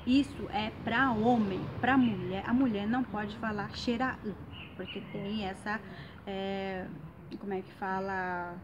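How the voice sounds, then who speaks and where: A native Guarani speaker with a Guarani accent leads a casual online lesson, repeating each phrase slowly and hesitating often. Her voice is medium-pitched with fairly even intonation, and the audio is dull against a noisy background.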